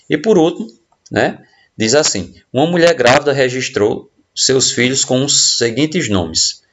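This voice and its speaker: Patient Brazilian teacher, lo-fi sound. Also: male voice, mid-range voice. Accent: Brazilian Portuguese. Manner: patient, explanatory, frequent tag questions. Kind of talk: recorded lesson explaining riddles. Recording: dull lo-fi audio.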